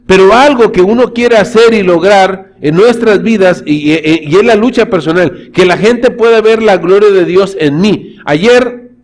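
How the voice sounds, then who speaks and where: Man, pastor, high voice, sermon, storytelling. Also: a little slow. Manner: storytelling, addresses congregation as brothers. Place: church.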